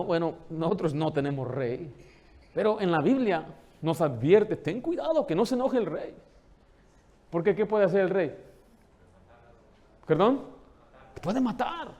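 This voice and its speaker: A man preaching a sermon as pastor, animated, asking the congregation questions and acting out the people he quotes. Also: high-pitched. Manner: acts out quoted dialogue in changed voices.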